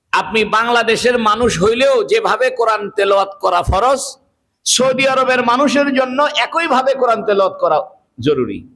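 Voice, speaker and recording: A man's voice: high voice, sharp tone. A man giving a sermon, explaining earnestly and asking rhetorical questions. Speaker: Islamic preacher.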